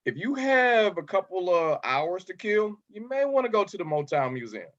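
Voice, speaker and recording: A man's voice: high voice, big pitch swings, normal speed, fairly bright tone. A man hosting a podcast interview, chatty and proud of his home town. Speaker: podcast host. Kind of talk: casual interview chat. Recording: slightly dull lo-fi audio.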